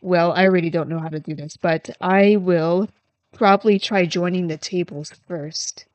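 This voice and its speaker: A woman's voice: lowish voice, fairly even intonation, moderate pace, darkish tone, no echo. A woman livestreaming, chatting casually and thinking aloud in a rambling, self-deprecating way, her voice starting to tire. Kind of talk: casual livestream chat while coding.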